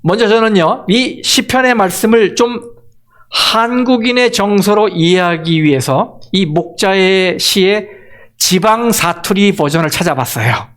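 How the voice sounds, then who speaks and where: A man from Seoul, a pastor, preaching a sermon and asking the congregation question after question, slowing down to stress key words. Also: high-pitched, fairly bright tone. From Seoul, South Korea. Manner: asks the congregation rhetorical questions.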